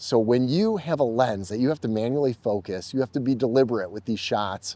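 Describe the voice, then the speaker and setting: Speaking with a Wisconsin accent, a man has a medium pitch, a dark, mellow tone and a moderate pace, recorded with a dry, close sound and no echo. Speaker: photography youtuber. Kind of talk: casual vlog tutorial. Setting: outdoors in a cemetery.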